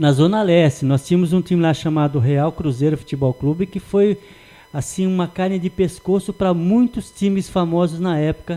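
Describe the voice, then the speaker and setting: The man talks with a high pitch, ordinary pitch movement and a moderate tempo while background noise is clearly heard. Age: 60s. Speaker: former amateur footballer. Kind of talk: radio interview.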